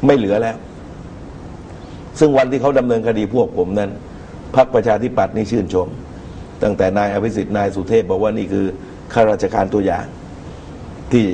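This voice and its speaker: A middle-aged man giving measured political commentary as a guest in a TV studio talk show, speaking into a lapel mic. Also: lowish voice, dark tone, a little hiss or hum, low-quality recording. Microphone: lapel microphone.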